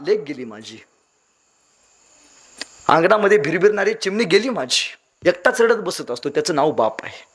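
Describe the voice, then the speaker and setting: High-voiced motivational speaker, dramatic. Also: male voice. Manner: dramatic storyteller, swinging between loud appeals and hushed lines. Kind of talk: motivational speech to youth.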